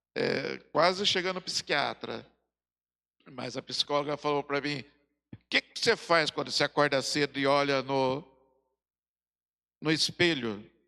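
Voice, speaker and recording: A man at a fairly high pitch with a bright, sharp tone, a fairly slow pace, long, frequent pauses and ordinary pitch variation, in a dry, close sound with no echo. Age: old. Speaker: church elder preaching. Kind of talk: sermon. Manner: conversational, humorous storytelling.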